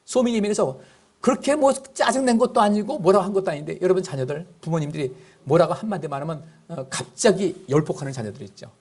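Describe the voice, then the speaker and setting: A middle-aged pastor delivers a sermon in a husky voice that sits a little high for a man. His pitch rises and falls a great deal, and he keeps turning to the congregation with questions. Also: lively intonation, quick pace, a little mellow. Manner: conversational preaching, asks the congregation questions.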